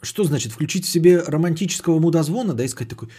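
A man's voice: a little high, lively intonation, rapid-fire, dark tone, slightly rough. A man hosting a podcast, chatting casually and sardonically as he answers audience messages, often swearing and repeating phrases. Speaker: podcast host.

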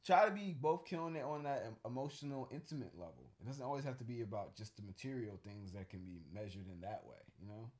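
A man's voice: medium pitch, expressive, quick pace, few pauses, darkish tone. A man co-hosting a casual podcast chat, talking in a rambling, thoughtful way with many fillers and restarts. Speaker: co-host.

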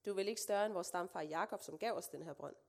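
Woman reading a surprised stranger at a well, questioning, slight rasp. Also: lowish voice, a little mellow, close to an everyday voice.

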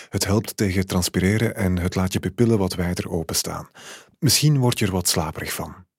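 A man reads a literary short story in a calm, measured first person. His voice sits low and a little husky. The recording is dry and close, with no room sound. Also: no echo. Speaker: narrator.

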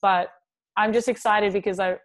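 A woman's voice: medium pitch, fairly even intonation, moderate pace. Chatty young woman singer talking shop. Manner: chatty, many "like" and "um" fillers, quotes herself. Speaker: singer, interview guest. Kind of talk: casual interview chat.

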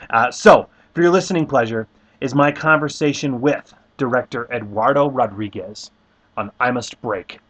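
A male podcast host reads a scripted introduction in an enthusiastic, upbeat way. His pitch is average and his delivery is steady and clear.

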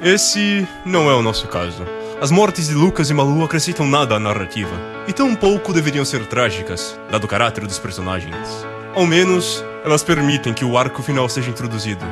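A man's voice: mid-range voice, very animated, fairly quick. A man narrating a scripted comedic radio play in a dry, mock-solemn manner. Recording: music clearly behind the voice.

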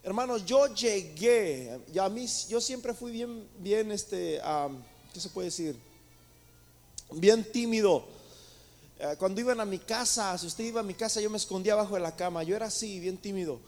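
A man's voice: sits high, lively intonation, moderate pace, darkish tone. A man preaching a sermon, rising to emphatic peaks and calling his listeners brothers. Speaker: pastor.

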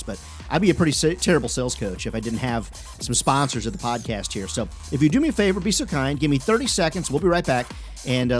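A man hosting as a sales coach, giving upbeat, organized motivational advice with emphatic, direct address to the listener. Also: mid-range voice. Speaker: sales coach and podcast host.

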